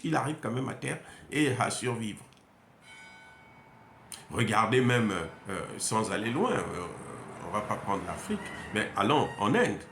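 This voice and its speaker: A man with a Central African French accent talks in an emphatic, repetitive way, with frequent hesitations. His pitch rises and falls in a lively way, and the room around him adds a noticeable echo. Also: a little hiss or hum. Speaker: commentator. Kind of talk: unscripted monologue. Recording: roomy echo.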